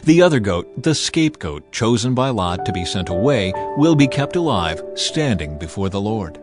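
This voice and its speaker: A male narrator delivers dramatized scripture over a clear musical backing. His pitch moves widely through each phrase, while the delivery stays solemn, measured and declarative. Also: sing-song, over music.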